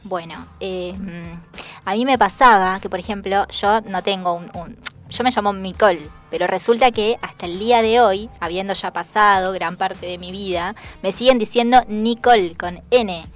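A woman's voice: mid-range voice, moderate pace, soft background music. A woman, co-hosting a radio chat show in a chatty, playful way and laughing easily. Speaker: radio co-host.

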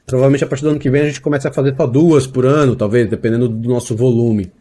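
Relaxed Brazilian-style chatty man, mellow tone. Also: mid-range voice, fast talker. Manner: chatty, explains with examples, many "né?" tags. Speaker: acting teacher and course creator. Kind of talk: casual podcast interview.

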